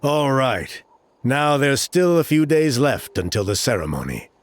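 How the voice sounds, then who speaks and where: A man's voice: medium pitch, very animated, a little slow. An actor playing an earnest male tribal elder recruiting a hero, in a video game. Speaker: village elder.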